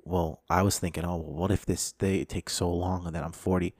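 A man's voice: low-pitched, brisk, husky, no room sound, studio quality. A thirty-year-old man chatting casually as a podcast co-host, talking emphatically with slangy, sweary, bro-style phrasing. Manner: animated, emphatic, swears freely, says "bro" and "dude". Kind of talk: casual chat.

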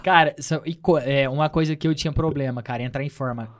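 A male podcast host in casual chat, telling stories with laughter and swearing, acting out people's shouts. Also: on the high side, quick pace. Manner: animated storyteller, swears freely, laughs often; acts out people's shouts in a raised voice.

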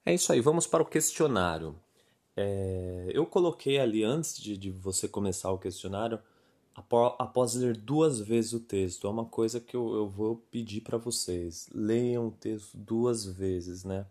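A man's voice: fairly low pitch, unhurried, a little mellow. A man with a Brazilian Portuguese accent, a language teacher and podcast host, going over a quiz in a casual, patient lesson and often tagging his sentences with little check-in words. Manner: chatty and patient, leans on filler tags like "né" and "tá".

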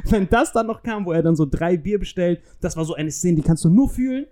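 High, animated young man joking. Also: brisk. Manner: joking, laughs a lot, slangy. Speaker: podcast co-host. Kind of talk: casual podcast banter.

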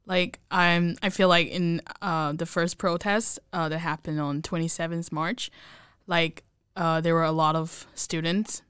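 Young woman guest, lots of um and like, super clear voice, dry close sound. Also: fairly low pitch, fairly even intonation, unhurried, a bit bright, no room sound. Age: young adult. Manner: hesitant, many fillers. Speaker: guest, protest volunteer. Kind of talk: casual interview.

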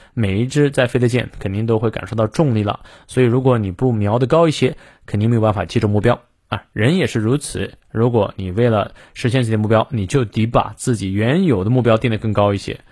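Male teacher-host, mid pitch, patient and clear, models pronunciation, dry booth. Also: dry recording. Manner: explains clearly, models words slowly and repeats them. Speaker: English teacher and podcast host. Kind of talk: daily English pronunciation lesson.

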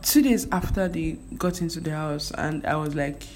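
Chatting on her vlog, a young Nigerian woman whose native language is Igbo speaks casually, full of fillers and restarts, in a Nigerian accent. Her voice is low and a little mellow, at a normal speed, with faint background noise present.

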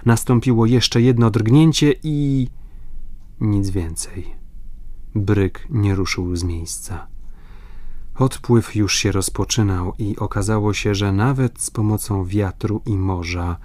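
A man reading a classic adventure novel aloud in a measured, literary way. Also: on the low side, darkish tone, no room sound. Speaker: audiobook narrator. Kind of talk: scripted narration.

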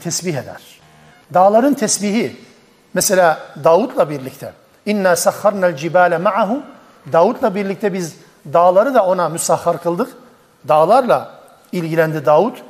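A man's voice: high voice, big pitch swings, moderate pace, darkish tone, long reverb tail. A man giving an Islamic tafsir lecture, emphatic and answering his own rhetorical questions. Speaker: Quran commentary teacher.

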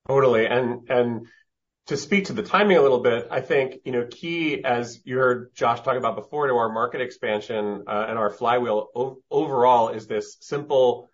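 Male executive on an earnings call, mid-pitched, emphatic and methodical, slightly lo-fi sound. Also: moderate pace. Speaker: company executive. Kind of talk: earnings call explanation, business jargon. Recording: dull, lo-fi conference-call audio.

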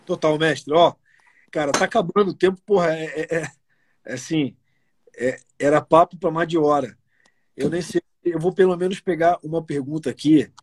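A Brazilian man hosting a podcast interview, talking in a casual, quick way and swearing freely. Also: fairly high pitch, husky. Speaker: podcast host.

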